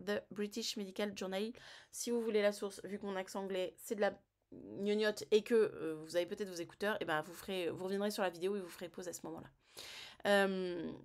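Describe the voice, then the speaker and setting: A woman vlogger who talks about health news in an emphatic, colloquial and animated way. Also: mid-range voice. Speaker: vlogger giving health advice. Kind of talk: casual commentary vlog.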